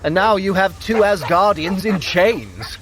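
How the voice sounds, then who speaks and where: Sly, highly animated trickster god. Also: male voice, unhurried, noisy background. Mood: wry, flattering. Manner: wry, smooth flattery, theatrical. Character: sly, silver-tongued male trickster god. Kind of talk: audio drama acting.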